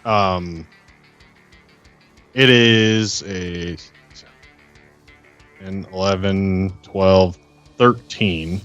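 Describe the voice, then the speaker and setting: A man's voice: low-pitched, fairly even intonation, drawn-out words, long pauses, a bit bright, muffled recording, soft background music. A man playing a tabletop game on a podcast, talking casually through rules and dice rolls.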